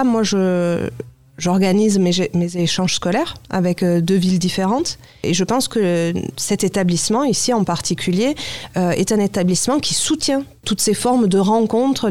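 A woman's voice: mid-range voice, a little mellow, no echo. A woman from Germany who teaches German, answering interview questions thoughtfully and searching for words. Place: high school.

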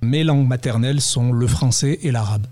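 A man who teaches English, answering interview questions in a measured, thoughtful way. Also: mid-range voice, mellow, dry recording.

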